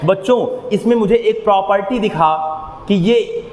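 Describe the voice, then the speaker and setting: A man teaches maths to a room of students, walking them through each step and stopping to ask them questions. His voice sits fairly high, and it rings in a roomy classroom with a long echo. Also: measured pace, a little mellow, slight background noise. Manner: explains step by step, keeps asking the class questions. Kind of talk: classroom lesson with motivational asides. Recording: echoey room, long reverb.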